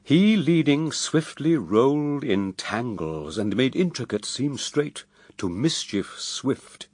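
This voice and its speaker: Male verse narrator for radio drama: unhurried, dramatic, very dry and close. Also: medium pitch, sing-song, a little mellow, no echo.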